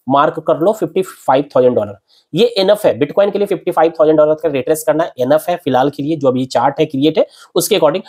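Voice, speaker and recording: A man's voice: on the high side, darkish tone, husky. A man hosting a market analysis video, walking through price charts in a conversational way and repeating his points to drive them home. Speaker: crypto market analyst host. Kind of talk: chart walkthrough explanation.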